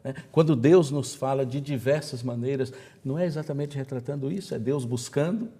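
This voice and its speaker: Husky, warm Brazilian pastor. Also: male voice, mid-range voice, brisk. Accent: Brazilian Portuguese. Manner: enthusiastic, fond of exclamations. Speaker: pastor, guest. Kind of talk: reflective religious discussion.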